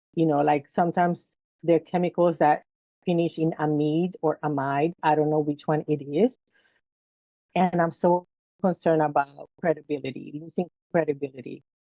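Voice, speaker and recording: A woman with a non-native accent speaks at a moderate pace, with long, frequent pauses. Her very deep, low pitch has fairly even intonation. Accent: non-native accent, clear. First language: not English. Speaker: hazardous waste program manager. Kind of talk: question in live Q&A.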